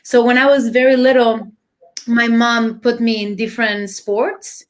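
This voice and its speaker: A woman with an Argentine accent, a dancer guest telling her story in a relaxed, chatty interview, full of fillers. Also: fairly high pitch, unhurried. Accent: Argentine Spanish. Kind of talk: casual interview chat.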